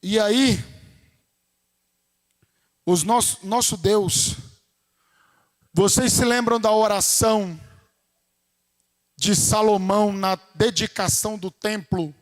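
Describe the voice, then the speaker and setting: High-voiced Brazilian preacher. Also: male voice, fairly even intonation, slow, long pauses, big-room sound. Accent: Brazilian Portuguese. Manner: conversational preaching, rising to fervent shouts. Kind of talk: sermon. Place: church.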